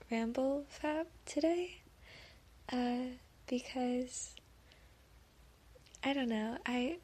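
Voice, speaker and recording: A woman with a sniffly voice from allergies, rambling in a nervous, halting way, stammering, filling pauses and giggling, sometimes dropping to a whisper. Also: on the high side. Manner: drops into soft whispers at times; giggles often. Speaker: audio creator. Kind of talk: rambling casual monologue.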